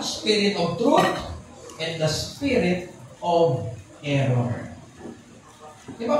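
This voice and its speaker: A man preaching a sermon, joking and quizzing his congregation with questions. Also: very high voice. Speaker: pastor. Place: church hall with congregation. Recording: echoey hall from far off with background noise.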